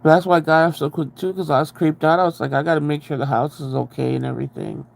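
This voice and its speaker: A man talks in a loose, rambling livestream chat with a stuffy, congested nasal tone. His voice sits a little high and carries a gravelly, fry-heavy texture. He speaks right up against the microphone, so his breaths are audible. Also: fairly even intonation, quick pace. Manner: chatty, rambling, greets viewers. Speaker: livestream host. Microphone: very close to the microphone, breathing audible.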